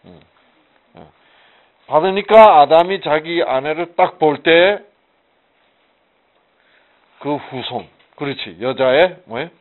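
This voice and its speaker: A man's voice: fairly high pitch, takes it slowly, pauses often. A man teaching a casual Bible study, asking rhetorical questions and answering them himself with emphasis. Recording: muffled phone-like audio.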